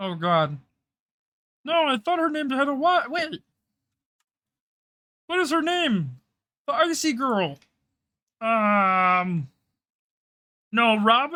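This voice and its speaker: A put-on character voice, female-sounding and fairly high, with very wide pitch swings, a very slow pace and long, frequent pauses. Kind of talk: comic character impression. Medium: virtual streamer. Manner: chatty, thinking aloud.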